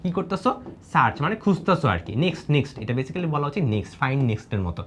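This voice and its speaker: A man's voice: fairly high pitch, sing-song, rapid-fire, a little hiss or hum. A young man with a Bangladeshi Bengali accent teaching an exam-prep lesson over a screen demo, chatty, repeating key words and mixing in English. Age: 20s.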